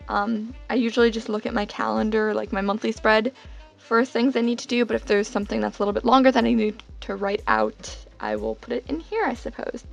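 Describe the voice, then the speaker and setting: A young woman talks casually over a faint music bed, her voice gravelly and hoarse as she gets over a cold. She rambles, leans on fillers like "like" and "um", and pokes fun at herself. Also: on the high side, expressive, a little fast. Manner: rambling, filler-heavy and self-deprecating. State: hoarse, getting over being sick. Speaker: bullet journal vlogger.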